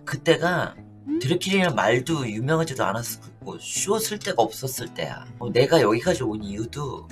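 A man's voice: medium pitch, very animated, normal speed. A middle-aged man telling stories in a frank, casual, conversational way as a livestream co-host. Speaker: livestream co-host and drag show performer. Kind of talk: casual chat and storytelling. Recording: loud music behind the voice.

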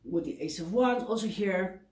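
This tarot reading comes from a woman in her forties with a Greek accent, sitting at a table in an indoor room and talking chattily to camera, fixing her own words and checking in with viewers often. Her voice is on the low side and darkish, with lively intonation at normal speed, in a roomy-sounding space.

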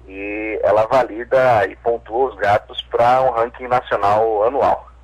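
A man's voice: lowish voice, steady tone, a little slow, crowd noise, poor audio. A man with a Brazilian Portuguese accent, an event organizer speaking as a radio guest, hesitant with many restarts. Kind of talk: phone-in radio interview.

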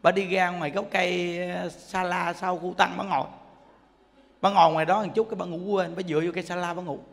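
A man's voice: high-pitched, flat delivery, a little fast, creaky. A man giving a humorous Buddhist sermon, telling stories and imitating animal sounds. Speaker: Buddhist monk teacher. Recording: long hall reverb.

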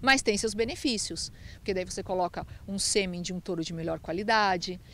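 A woman's voice: mid-range voice, fairly quick, a bit bright. A woman researcher explaining cattle breeding methods in an interview, often checking in with the listener. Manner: explanatory, uses tag "tá?".

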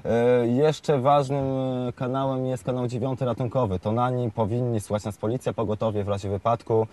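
A man's voice: mid-range voice, fairly even intonation, a little mellow. A man giving an unscripted product explanation as a shop expert, hesitating often and repeating words, picked up on a lapel mic. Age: 20s. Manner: halting, hesitant delivery with frequent fillers and repeated words.

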